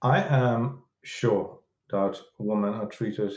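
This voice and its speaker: A man's voice: on the low side, darkish tone. Polish-accented man in an echoey room. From Poland. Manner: halting, many restarts and fillers, broken grammar. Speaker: film director and producer, guest. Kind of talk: casual interview talk. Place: room in London.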